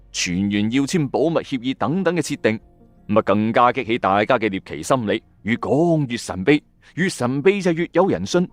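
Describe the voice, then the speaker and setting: A man's voice: medium pitch, no echo. A man with a Hong Kong Cantonese accent narrates like a late-night ghost story host, colloquial and emphatic, speaking straight to listeners. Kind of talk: dramatic storytelling narration with commentary. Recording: dry voice-over with music underneath. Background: background music.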